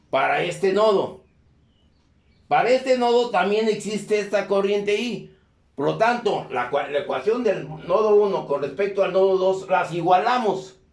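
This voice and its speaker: A man with a fairly high voice teaches a class in an echoey classroom. He walks through the steps and keeps asking whether everyone is following. Picked up by a camera in the room. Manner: constantly checks in with questions to the class. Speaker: electrical engineering teacher. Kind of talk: live class lecture.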